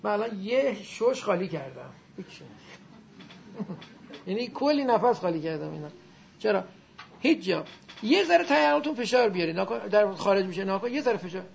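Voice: mid-range voice, lively intonation, vocal fry, long pauses, a little mellow, lo-fi sound, a little hiss or hum. A teacher giving a classroom lesson on Arabic grammar and pronunciation, demonstrating sounds aloud and quizzing the class.

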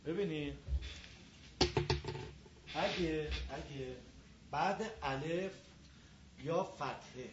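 A man with a fairly high voice teaches a recitation class, going over each rule again and again and sounding out the examples himself. The recording is dull and lo-fi, as if captured in a classroom. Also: pauses often, noisy background. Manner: patient, repeats rules, models pronunciations. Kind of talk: live class lecture on tajweed. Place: classroom with a board.

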